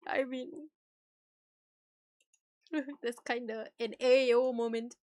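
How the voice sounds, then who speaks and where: A woman streamer reading a visual novel aloud and reacting in an animated, teasing way, swearing freely. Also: fairly high pitch, slow, no echo, clean studio sound. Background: music.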